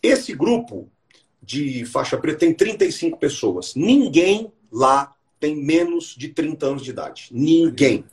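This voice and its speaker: A man's voice: fairly high pitch, big pitch swings, a little slow. Upbeat man explaining with stories. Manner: explanatory, enthusiastic storytelling. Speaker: English teacher and host. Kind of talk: podcast live chat.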